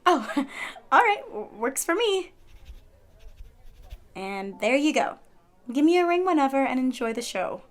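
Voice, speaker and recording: A woman's voice: high-pitched, big pitch swings, unhurried, long pauses. A woman playing a gracious water nymph photographer in a fiction podcast, with a polite, effusive manner. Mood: pleased, friendly.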